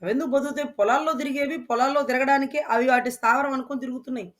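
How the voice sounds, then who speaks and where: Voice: high-pitched, fairly even intonation, racing, fairly bright tone. An interview guest speaking with passion, firing off emphatic rhetorical questions. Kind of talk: impassioned interview talk.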